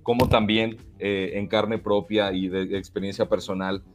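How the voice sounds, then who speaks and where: A man from Mexico whose first language is Mexican Sign Language speaks as a radio guest. His answers are measured and earnest, broken by frequent hesitations, with faint music in the background. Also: fairly low pitch, little pitch movement. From Jalisco, Mexico. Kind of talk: interview answers.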